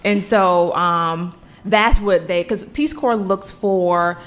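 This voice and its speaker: A woman's voice: on the low side, takes it slowly, fairly bright tone. A woman in her forties from Virginia, a guest telling her story in a casual interview with candid, self-deprecating humor. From Hampton, Virginia. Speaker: guest, homesteader.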